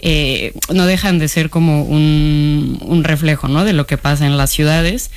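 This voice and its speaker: A woman's voice: low voice, steady tone, measured pace, dry recording. A Mexican woman with a Mexican accent, a journalist chatting casually on radio, hesitant with many fillers. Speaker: journalist, regular contributor. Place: radio studio.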